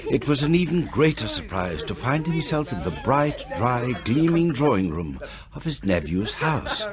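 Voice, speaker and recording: A man narrating a Victorian Christmas ghost tale for radio drama in a measured, expressive storytelling manner. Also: mid-range voice, a crowd in the background, natural voice. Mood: wry. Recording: loud sound-effect noise behind the voice.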